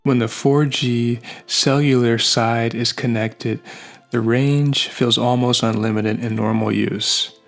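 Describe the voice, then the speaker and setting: A man narrating a scripted product review in measured, short, plain phrases. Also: mid-range voice, fairly even intonation.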